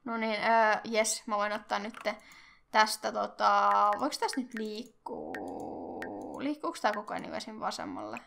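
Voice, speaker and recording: A young woman hosting casual game commentary, chatty and excitable, thinking aloud and squealing at cute animals. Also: mid-range voice, creaky, a little hiss or hum. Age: young adult. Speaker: gaming channel host.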